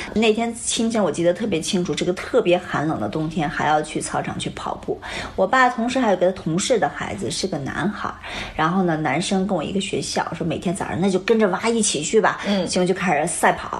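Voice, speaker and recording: Over noticeable background noise, a woman at medium pitch talks at a fairly quick pace with an animated tone and ordinary pitch variation. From northern Shaanxi (Yan'an), China, Beijing parents. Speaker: martial arts choreographer and actress. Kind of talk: interview storytelling.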